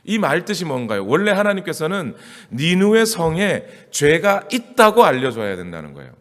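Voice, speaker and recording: A man's voice: on the high side, wildly swooping pitch, moderate pace. A male pastor preaching a sermon in a conversational style, asking his congregation question after question. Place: church sanctuary. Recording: church hall with long reverb.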